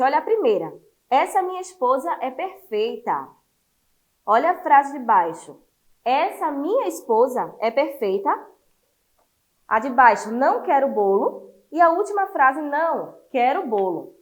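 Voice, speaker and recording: A Brazilian woman teaches an online class for children in a high voice, lively and encouraging as she explains things step by step.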